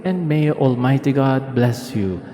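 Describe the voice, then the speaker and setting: A male priest leads the prayers at Mass in a measured, even recitation. His voice sounds mellow and dark. A long cathedral echo trails every phrase. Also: mid-range voice. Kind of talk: liturgical prayer and blessing. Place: large church. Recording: long church reverb.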